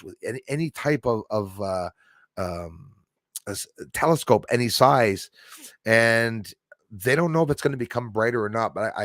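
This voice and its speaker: A man's voice: mid-range voice, no echo, clean studio sound. Chummy, rambling man on a livestream. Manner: enthusiastic, rambling, chummy with listeners. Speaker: livestream host. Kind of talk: casual livestream chat with viewers.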